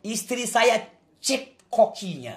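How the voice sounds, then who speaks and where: A man from Aceh speaking as a guest and telling his story in an animated, emphatic way, repeating key phrases. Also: extremely high pitch, takes it slowly. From Aceh, Indonesia. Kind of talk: conversational testimony. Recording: roomy echo.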